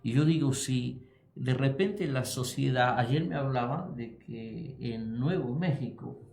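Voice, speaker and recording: Gravelly-voiced man hosting Christian radio. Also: mid-range voice, darkish tone, reverberant. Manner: halting, many "eh" pauses, answers with "tremendo". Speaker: radio host.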